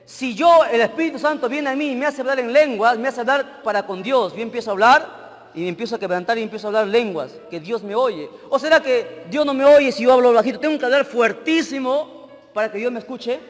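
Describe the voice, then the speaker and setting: A man with a strikingly high voice preaches a sermon as an evangelist, checking in with his listeners through short questions. He reads out loud and then drops to quiet asides. Long hall reverb trails behind him over faint music. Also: a little fast. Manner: teaching, asks the crowd short questions; swings between loud reading and quiet asides.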